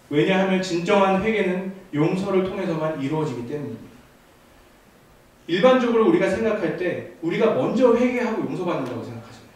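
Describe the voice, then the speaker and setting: Echoey preacher man, light voice. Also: fairly high pitch. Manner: storytelling, warm asides to the congregation. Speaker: youth ministry pastor. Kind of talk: sermon. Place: church sanctuary. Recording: echoey church from far off.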